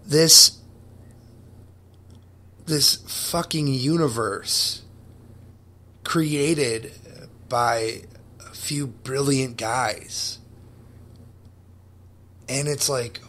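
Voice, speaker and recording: A young man hosting a podcast, casually telling a story with excited, profane enthusiasm. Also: medium pitch, drawn-out words, long pauses. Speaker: podcast host.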